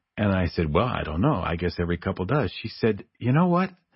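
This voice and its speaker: A man speaks at a moderate pace in a somewhat breathy voice, his pitch swinging very widely. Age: 60s. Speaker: author. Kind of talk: interview discussing marriage.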